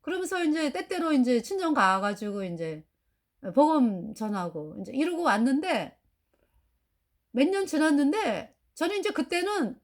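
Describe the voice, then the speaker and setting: A middle-aged woman telling a personal faith testimony, animated, acting out dialogue and laughing often. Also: sits high. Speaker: church member giving testimony.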